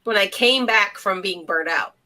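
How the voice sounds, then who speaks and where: A woman's voice: mid-range voice, normal speed, bright, forceful tone. A middle-aged woman co-hosting a casual podcast, speaking bluntly and with exasperation. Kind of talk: casual panel chat.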